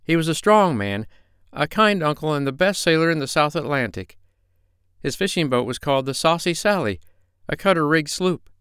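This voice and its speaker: A man voicing a frightened, polite little boy in a storybook, in a high, childlike, pleading voice. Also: animated, normal speed, a bit bright, smooth, no echo, clean studio sound. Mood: earnest, worried.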